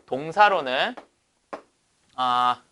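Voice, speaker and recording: Lively, bright-voiced male teacher. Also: mid-range voice, very slow, clean tone. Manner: asks rhetorical questions and answers them. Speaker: English teacher. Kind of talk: lecture explaining exam passages.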